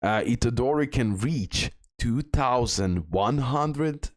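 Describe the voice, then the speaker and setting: A man's voice: medium pitch, animated, slow, dry recording, studio quality. A man giving casual game commentary as a video host, rambling and repeating words with many fillers.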